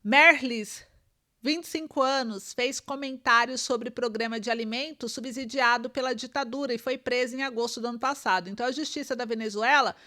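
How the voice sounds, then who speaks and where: Woman, Brazilian Portuguese accent, political commentator, high voice, emphatic rhetorical questions. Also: a little fast, sharp tone. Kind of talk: online political commentary, reading news aloud.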